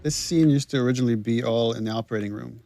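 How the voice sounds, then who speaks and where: A man giving thoughtful developer commentary, pausing and restarting as he explains his choices. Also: medium pitch, vocal fry, mellow, dry recording. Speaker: game director giving commentary.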